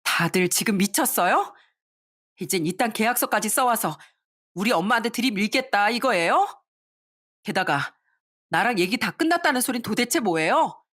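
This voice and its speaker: A furious young wife, voiced by a woman narrator, shouts in a raised, sharp-tongued voice. She talks back cuttingly without pausing. This is storybook drama read aloud. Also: fairly high pitch, big pitch swings, pitched above the performer's own voice. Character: furious young wife standing up to her in-laws.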